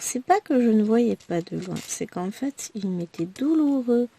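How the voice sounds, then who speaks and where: A worn-out woman with a hoarse, husky voice talks to her viewers in a loose, rambling chat. Her tone is mellow and low-key, and she pokes gentle fun at herself between coughs of tiredness. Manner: rambling, talkative, self-deprecating. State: hoarse from a throat infection. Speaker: crafting vlogger. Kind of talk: chatty personal update to viewers.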